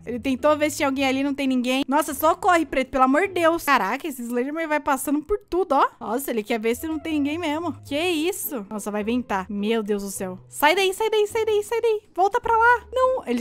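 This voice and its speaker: A young Brazilian woman giving lively gameplay commentary as a video game streamer, exclaiming and laughing often. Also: sits high. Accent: Brazilian Portuguese. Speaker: gaming YouTuber.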